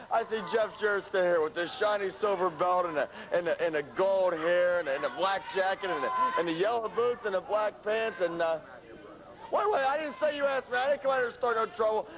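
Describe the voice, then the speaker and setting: A man delivering a goading, mocking heel wrestling promo as a manager, brashly repeating himself to talk over others. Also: sits high. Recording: noisy 1980s TV wrestling broadcast.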